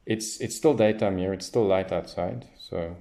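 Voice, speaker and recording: A man's voice: sits low, moderate pace, gravelly, mellow. A man giving casual hands-on commentary as a radio hobbyist, thinking aloud as he tests. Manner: unscripted, thinking aloud while testing.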